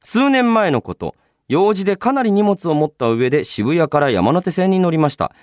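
A man hosting a casual solo radio show, chatting and reading out listener mail in a polite but chatty, animated way. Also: on the high side, moderate pace, no echo, studio quality. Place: radio studio, dry sound.

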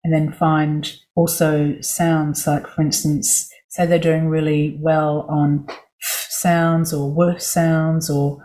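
A woman vocal coach guest on a podcast interview, explaining at a measured pace with many asides. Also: low-pitched, level tone, dark tone, rough recording.

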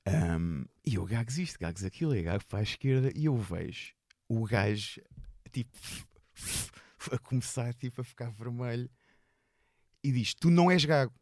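Recorded cleanly in a studio without echo, a man speaks at medium pitch with lively intonation, a moderate pace, and a darkish tone. He is a stand-up comedian being interviewed, with a European Portuguese accent and a stutter that makes him repeat and block on words. He tells animated, casual stories about his stand-up shows.

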